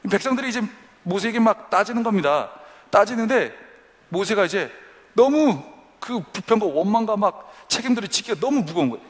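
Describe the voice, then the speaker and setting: Lively, high-voiced preaching man in a reverberant church. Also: brisk. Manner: dramatic, acts out quoted prayers and complaints. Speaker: pastor. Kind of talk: sermon. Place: church service for young adults.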